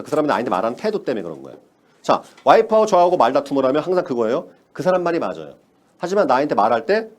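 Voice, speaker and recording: A man's voice: on the high side, darkish tone. A man giving a motivational sales lecture, emphatic, repeating key words and asking the audience rhetorical questions.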